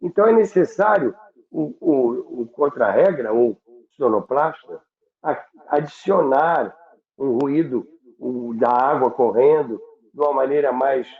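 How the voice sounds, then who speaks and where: A Brazilian man explaining things in unscripted talk, didactic and halting, often repeating and rephrasing his points. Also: mid-range voice. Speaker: radio history commentator and guest. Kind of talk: unscripted explanatory talk recalling broadcasting history. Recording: echoey, narrow phone-like call sound.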